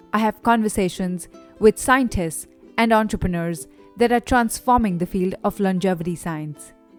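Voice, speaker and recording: Music plays in the background as a woman with a medium pitch and ordinary pitch variation speaks at a moderate pace, the sound dry and close with no echo. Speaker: podcast host. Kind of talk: podcast interview.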